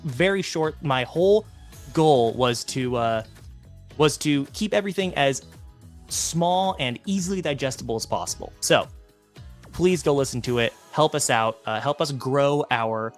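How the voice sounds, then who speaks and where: Eager man pitching his podcast. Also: unhurried, faint music behind. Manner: eager, pleading, animated. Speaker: podcast co-host. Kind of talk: livestream promo pitch.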